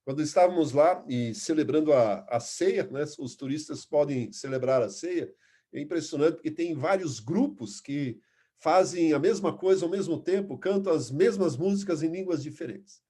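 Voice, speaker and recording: A man's voice: a little high, normal speed, mellow, slightly rough. A man teaching a Bible lesson, earnest and emphatic, stopping to restart words and reading scripture aloud. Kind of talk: Bible class lecture.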